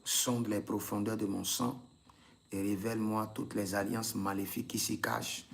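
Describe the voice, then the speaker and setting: A man's voice: lowish voice, flat delivery, normal speed, creaky. A man, a prophet leading a live prayer session, repeating intense commands and breaking into tongues.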